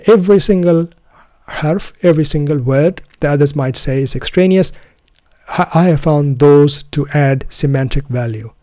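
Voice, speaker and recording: Urdu-first-language guy explaining his method, earnest, repeats bits for emphasis, mellow tone. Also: on the high side, no room sound, studio quality. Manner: earnest, deliberate, restarts phrases for emphasis. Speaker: Quran student presenting his method. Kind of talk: solo explanatory talk.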